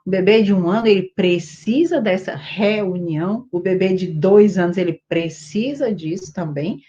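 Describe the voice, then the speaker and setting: A woman teaching parents about baby sleep in a casual talk to camera, pausing often on fillers and checking that listeners follow. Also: warm tone. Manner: many hesitant fillers, rhetorical checks with listeners; sing-song high voice when soothing a baby. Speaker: infant sleep educator. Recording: dull lo-fi audio.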